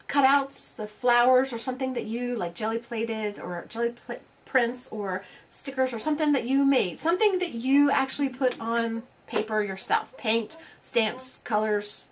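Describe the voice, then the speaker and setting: A woman, chatting casually to her craft channel's viewers in a rambling way, full of fillers and restarts. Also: on the high side. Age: 50s. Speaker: crafting vlogger. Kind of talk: casual chat to camera.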